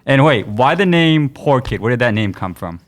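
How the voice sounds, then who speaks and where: A man's voice: mid-range voice, animated, normal speed. A man hosting a casual interview show.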